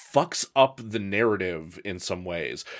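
This is a man speaking. His tone is animated. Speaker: podcast host. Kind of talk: casual comedic banter. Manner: joking, animated.

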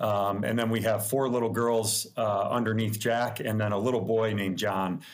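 Monotone, flat intonation from a medium-pitched man, with very even loudness. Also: moderate pace. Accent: American. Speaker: bereaved father and foundation founder. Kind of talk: casual interview.

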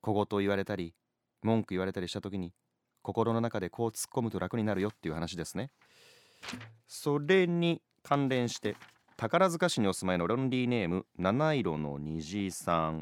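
At a moderate pace, a man talks at a fairly low pitch with very wide pitch swings. The sound is dry and close, with no echo. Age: 30s. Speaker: radio announcer and host. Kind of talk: solo radio talk show. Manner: casual, chatty.

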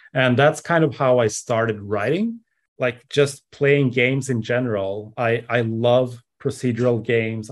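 Speaking with a Swedish accent, a man keeps a medium pitch and fairly even intonation. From Sweden. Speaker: tabletop game designer. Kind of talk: casual interview. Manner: halting, many fillers.

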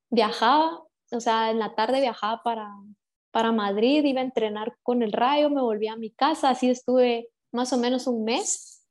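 The speaker has a Guatemalan accent and keeps a moderate pace. Intonation stays fairly even over a quiet background. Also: woman, high pitch for a woman. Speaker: professional footballer. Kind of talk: interview. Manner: halting, many repetitions.

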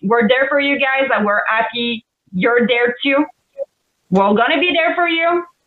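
A woman speaks in a French Canadian accent at a high pitch. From Quebec, Canada. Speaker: rock band vocalist. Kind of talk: casual interview.

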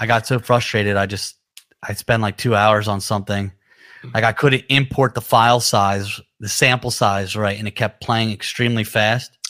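A man with an American accent speaks at a moderate pace in a fairly low pitch, his intonation flat and monotone. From Pennsylvania, near Philadelphia, now New Jersey. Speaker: musician guest. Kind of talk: casual interview chat. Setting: video call live stream.

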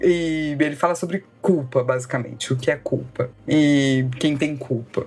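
At a fairly slow pace and with hardly any pauses, a woman speaks in a very deep, low pitch with fairly even intonation. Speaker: guest storyteller. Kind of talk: casual chat.

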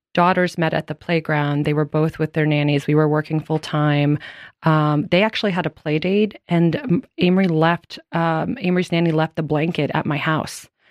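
A woman's very deep, low voice with an American accent, at a moderate pace with fairly even intonation, dry and close with no echo, on a very clean recording with a silent background. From Queens, New York. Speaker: entrepreneur, co-founder of a moms' business community. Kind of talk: casual interview.

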